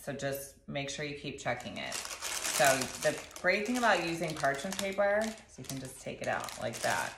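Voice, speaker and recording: A woman in her thirties casually walking through a recipe in her home kitchen, chatty and relaxed, filmed by a camera across the counter. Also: sits low, noisy background. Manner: relaxed, chatty instructions with fillers. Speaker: doctor sharing recipes. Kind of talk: casual cooking demonstration. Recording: echoey kitchen, slightly distant.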